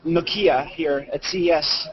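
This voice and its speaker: A high-pitched man chats loosely into a head-mounted mic as he walks, full of fillers and restarts. The stream sounds dull and lo-fi. A loud crowd murmurs behind him. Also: steady tone, measured pace. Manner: chatty, many fillers and restarts. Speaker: video blogger. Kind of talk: casual live-stream chat. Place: walking through a busy convention and monorail. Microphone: head-mounted display mic.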